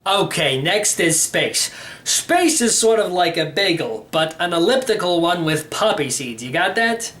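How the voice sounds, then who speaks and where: Man playing an eccentric old uncle, animated. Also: high voice, a little slow. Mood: patiently explaining. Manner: rambling, matter-of-fact explaining. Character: eccentric, cheerful elderly uncle, unflappable time traveler. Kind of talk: storybook character reading.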